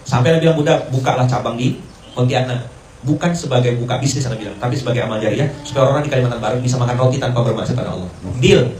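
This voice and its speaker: A man delivers a brisk, storytelling sermon, slipping in Arabic and English phrases and voicing the people in his story. He sounds set back from the mic, and his voice rings around a roomy hall over a faint hum of ambience. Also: mid-range voice, a little mellow, distant mic. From Indonesia. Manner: conversational, mixes Arabic and English phrases, acts out quoted dialogue. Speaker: preacher.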